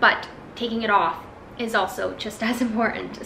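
A woman's voice comes through with light background noise and audible room echo. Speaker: beauty vlogger. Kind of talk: casual vlog chat. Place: home room. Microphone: camera far.

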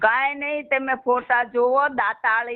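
This woman's voice sits at a high pitch. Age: 30s. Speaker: caller with a marital complaint. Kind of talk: phone call complaint. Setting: phone call.

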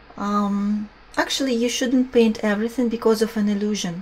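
A woman's fairly high pitch at a moderate pace. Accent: Russian. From Belarus. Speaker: watercolor painter and art teacher. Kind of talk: live painting tutorial. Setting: studio. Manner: kind, relaxed teaching.

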